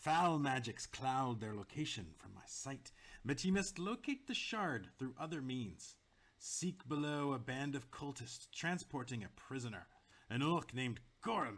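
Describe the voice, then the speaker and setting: In a put-on, gruff character voice, a man speaks at a moderate pace with a medium pitch. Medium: actual play. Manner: gruff, archaic speech.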